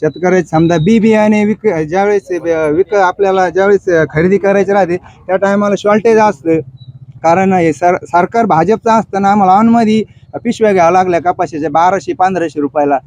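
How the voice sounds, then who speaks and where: A man being interviewed on the street, speaking in an animated way with hesitant fillers. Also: high voice, a little fast, dry recording, poor audio. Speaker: villager interviewed.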